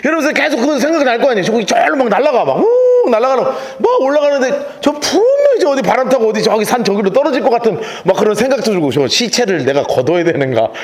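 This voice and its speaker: A male pastor teaching the Bible in a lively storytelling sermon, telling listeners what to write down. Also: extremely high pitch, quick pace, hardly any pauses. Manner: lively storytelling, gives note-taking instructions.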